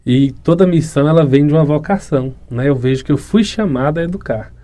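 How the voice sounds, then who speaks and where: Earnest young Brazilian man, mellow voice. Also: fairly high pitch, fast talker. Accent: Brazilian Portuguese, Goiás. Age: 30s. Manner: earnest, reflective, many tag questions. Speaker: municipal education secretary, guest. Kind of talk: podcast interview answers.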